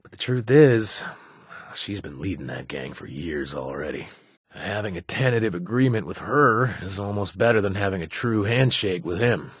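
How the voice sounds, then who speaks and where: Speaking at normal speed with lively intonation, a low-pitched man with a breathy edge plays a video game's wry wasteland ally, anxious about his brother. The humor is dry and sarcastic, full of hesitations, with no room sound.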